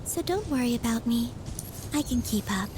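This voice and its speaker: Gentle high-voiced young game heroine, voiced by a woman. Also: animated, moderate pace, very noisy, natural voice. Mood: gentle, inviting. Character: gentle, courteous young female game character. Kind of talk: scripted video game voice lines. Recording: loud music behind the voice. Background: game music.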